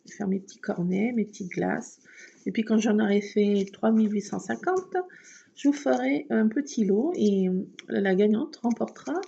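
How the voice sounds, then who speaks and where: A woman's voice: medium pitch, moderate pace, vocal fry, dark tone, slightly rough. A woman chatting casually while crafting, self-mocking and laughing often. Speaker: craft vlogger. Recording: dull lo-fi recording.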